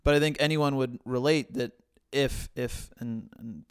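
A man co-hosting a Christian podcast, talking through faith in a reflective, measured, gentle way. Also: mid-range voice, steady tone, clear, resonant tone, no room sound, studio quality. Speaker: podcast co-host. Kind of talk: casual faith discussion.

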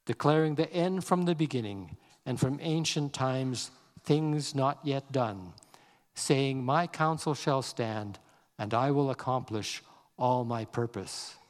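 A man delivers a sermon at a very unhurried pace, his voice at an ordinary middle pitch. He reads scripture with deliberate weight on key words. A long hall reverb trails behind each phrase. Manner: slow, measured delivery, reading scripture aloud with deliberate emphasis. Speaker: pastor.

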